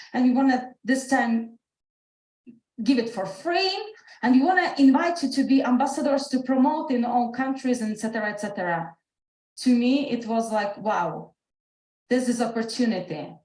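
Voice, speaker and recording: A woman with a high pitch speaks with lively intonation and long, frequent pauses, with audible room echo around her. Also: moderate pace. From Soviet Union. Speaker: network marketing entrepreneur. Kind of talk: testimony. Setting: video call. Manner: animated.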